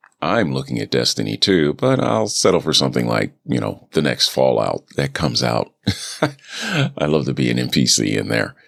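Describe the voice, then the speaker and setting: Pitch varies in an ordinary way as the speaker talks at a moderate pace. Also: man. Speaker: aspiring voice actor podcaster. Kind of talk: casual podcast monologue.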